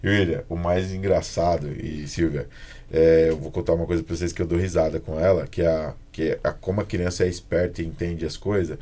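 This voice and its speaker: A man's voice: low-pitched, a little fast. A man from Brazil hosting a podcast, telling stories about his daughter in casual chat and acting out the kids' voices. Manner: animated storytelling, mimics his daughter and kids. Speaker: podcast host.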